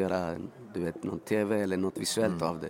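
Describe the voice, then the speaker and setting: A man talks at a fairly quick pace with fairly even intonation in a plain, everyday voice. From Sweden, Vårberg in southern Stockholm; born in Chile. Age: 30s. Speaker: rapper and musician. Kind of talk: casual interview chat.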